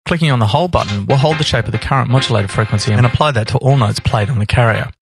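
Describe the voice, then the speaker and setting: A man reading scripted instructional narration in a measured, explanatory manner. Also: mid-range voice, vocal fry. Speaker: tutorial narrator.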